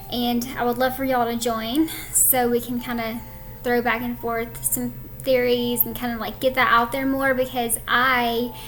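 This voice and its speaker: With a Southern US accent, a woman speaks in a high pitch at a moderate pace, her intonation monotone and flat, amid noticeable background noise and audible room echo. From US South. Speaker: true crime YouTuber. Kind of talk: casual Q&A. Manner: conversational, many fillers.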